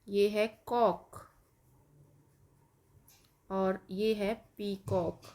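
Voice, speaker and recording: A woman's voice: mid-range voice, steady tone, extremely slow, darkish tone. A woman teacher with an Indian English accent giving an online lesson to young children, dictating word by word and explaining patiently.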